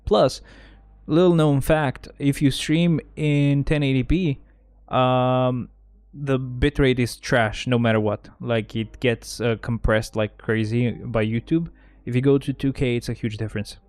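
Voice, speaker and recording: A man's voice: mid-range voice, fairly even intonation, a little slow, a little mellow, no echo. A man live-streaming a game, chatting casually with his viewers, joking and rambling and laughing at his own bits.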